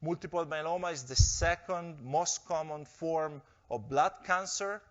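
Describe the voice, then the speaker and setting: Man, slightly high voice, measured, hesitant, muffled lo-fi sound. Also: fairly bright tone. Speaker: corporate executive presenter. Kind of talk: investor presentation speech.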